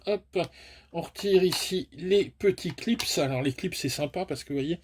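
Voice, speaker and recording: A man's voice: high-pitched, moderate pace, darkish tone, slight background noise. A man giving a chatty, self-mocking unboxing review of a remote-control car, explaining each step as he goes. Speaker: toy and hobby product reviewer.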